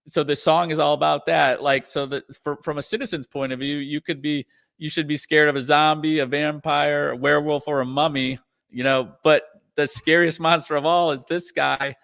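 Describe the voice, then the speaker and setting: A man's voice: fairly high pitch, creaky, a bit bright. A man chatting as a guest in an interview, rambling with restarts and lots of "you know". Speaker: guest musician and comedian. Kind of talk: casual interview chat.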